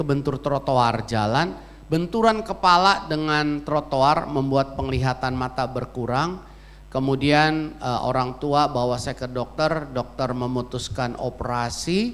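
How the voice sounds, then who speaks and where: Barely pausing, a man with a fairly high voice speaks in an animated tone with ordinary pitch variation. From Indonesia, Jakarta. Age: 60s. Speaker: pastor. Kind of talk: sermon. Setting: church. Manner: animated, humorous storytelling.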